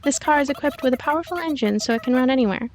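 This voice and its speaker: A woman's voice: high voice, very fast, slight background noise, lightly acted. A woman voicing a matter-of-fact, coolly technical young woman driver in a visual novel game, explaining in precise, formal terms. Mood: reluctant explaining. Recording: music behind the voice.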